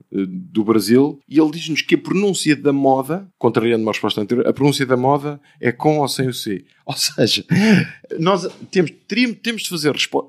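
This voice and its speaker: A man with a European Portuguese accent, a writer and language reviser talking as a guest in a casual podcast chat, erudite and wordy, often restarting his sentences. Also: medium pitch.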